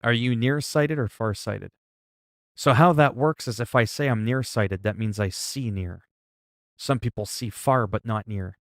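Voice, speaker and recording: A man's voice: mid-range voice, unhurried, no room sound, studio quality. A man in his forties chatting casually and profanely with stream viewers, rambling and explaining things with everyday examples. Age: 40s. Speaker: livestreamer.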